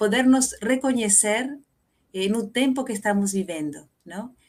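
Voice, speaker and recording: Speaking in a Spanish accent, a woman takes a fairly slow pace. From Uruguay. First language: Spanish (speaking Portuguese). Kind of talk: spiritual lecture. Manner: hesitant, frequent 'eh' fillers.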